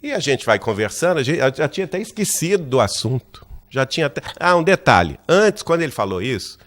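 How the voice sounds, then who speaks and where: A man from Minas Gerais with a Brazilian Portuguese accent, giving a lecture at a spiritist center. He tells a personal story in a lively way and acts out the lines of the people in it. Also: on the high side, brisk. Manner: lively narrator who acts out quoted dialogue, often asks "né?".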